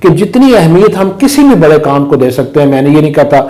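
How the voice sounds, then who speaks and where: A man's voice: fairly high pitch, very animated, a little fast, dark tone. A man whose first language is Pahari, commenting on politics and making his points with emphatic rhetorical questions. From Azad Kashmir. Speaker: guest commentator. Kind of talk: political discussion.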